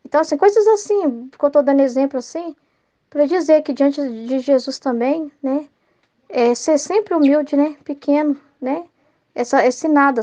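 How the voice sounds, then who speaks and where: A woman's voice: high-pitched, warm tone, lo-fi sound. A middle-aged woman with a Brazilian Portuguese accent, sharing an earnest, rambling devotional reflection as a Catholic lay study leader, often tagging questions onto her sentences.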